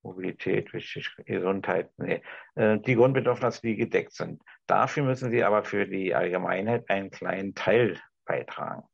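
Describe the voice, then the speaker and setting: A middle-aged man from Berlin, a discussion participant, improvises an address to an imagined TV audience in a low, husky, gravelly voice, his Berlin accent restrained toward High German. He speaks haltingly, articulating carefully and searching for words. Captured in a small indoor room over a video call, mic at some distance, the sound is dry, a little dull, and echo-free.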